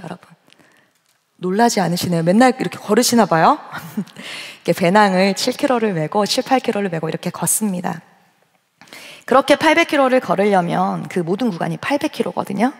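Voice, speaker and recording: A woman's voice: mid-range voice, gravelly, husky. A woman pastor preaching a sermon built around personal testimony, chatting with the congregation and asking them questions directly. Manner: acts out her own side of dialogues in quotes. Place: large church sanctuary. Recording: long reverb of a large church hall.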